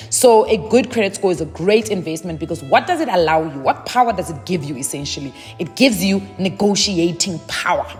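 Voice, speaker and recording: A woman in her thirties talks through personal finance tips, chatty and full of "um"s and repeated words. Her voice sits on the low side. It echoes with a long tail of reverb, and soft music plays underneath. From South Africa. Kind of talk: casual advice monologue.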